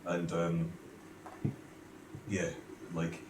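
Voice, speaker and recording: Low-voiced man in an echoey room. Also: completely flat delivery, extremely slow, background noise. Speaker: tabletop game player. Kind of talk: casual game-table chat. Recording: echoey room, loud music bed.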